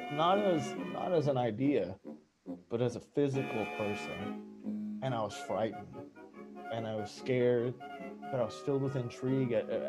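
An actor playing a frightened, rambling man who confides in his therapist, earnest, halting and stammering. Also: medium pitch, natural voice, low-quality recording. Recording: music behind the voice.

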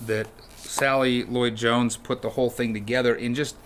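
A man's voice: mid-range voice, moderate pace, slight background noise. A man co-hosting a church podcast, chatting casually and acting out storybook moments. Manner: animated, acts out storybook voices with shouts. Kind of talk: casual chat.

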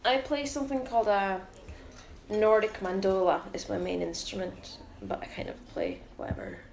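A young woman from Sweden who grew up in Norway, a folk musician, calmly explaining her ideas in an interview. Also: mid-range voice, normal speed, gravelly, echoey room, soft background music. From Sweden, raised in Norway. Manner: thoughtful, explaining. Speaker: folk musician, mandola player. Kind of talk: casual interview talk.

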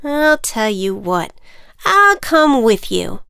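A woman's voice: fairly high pitch, very animated, takes it slowly, vocal fry, sharp tone, smooth, dry recording, clean studio sound, exaggerated voice. A woman voicing a sassy, pushy little ant who teases and coaxes, in a read-aloud storybook. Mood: needling. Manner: sassy, needling, persuasive.

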